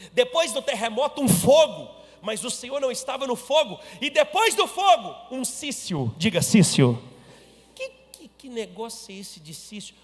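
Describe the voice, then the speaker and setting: Man, pastor's sermon, emphatic, high voice, long church reverb. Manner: emphatic, calls on the congregation to repeat and shout.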